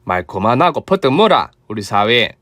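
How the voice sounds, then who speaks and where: Guy putting on a brisk old gyeongsang mom, blunt and hearty, dry close sound. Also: mid-range voice, very animated, a bit bright, no room sound, voice pushed down. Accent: Gyeongsang dialect. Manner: brisk, blunt dialect speech. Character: older Gyeongsang countrywoman, blunt, warm-hearted mother.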